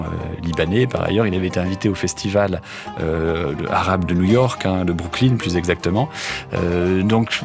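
A man being interviewed on radio as an author, answering thoughtfully and hesitantly, with many filler sounds. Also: low-pitched. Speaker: author and guest.

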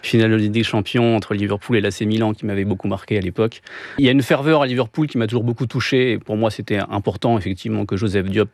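Novelist guest, 30s male from France, measured and hesitant, dry close sound. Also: lowish voice, a little mellow, no echo. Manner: thoughtful, hesitant, many pauses with fillers. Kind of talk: radio interview answers.

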